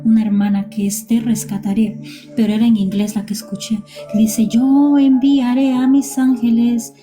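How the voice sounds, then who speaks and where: A woman giving an emotional church testimony, repeating phrases and addressing her listeners as brothers and sisters. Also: on the high side.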